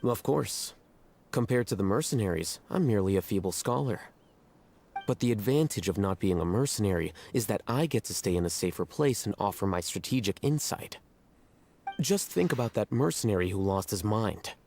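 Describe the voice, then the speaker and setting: A man playing an arrogant, cool-headed scholar in a fantasy video game, speaking in a measured, formal, condescending way. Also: lowish voice, lively intonation, vocal fry, a little mellow, a little hiss or hum. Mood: stern. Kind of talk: scripted video game dialogue.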